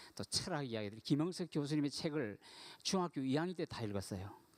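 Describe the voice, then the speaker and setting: The recording is very clean with a silent background and a dry, close sound with no echo, as a man with an unremarkable speaking voice and a fairly high pitch talks with lively intonation. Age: 60s. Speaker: guest pastor. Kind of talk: sermon.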